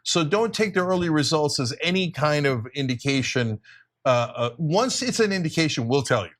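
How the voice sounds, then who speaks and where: Animated middle-aged male host. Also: on the high side, normal speed. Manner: emphatic, explains to viewers. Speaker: show host. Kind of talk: live election night commentary.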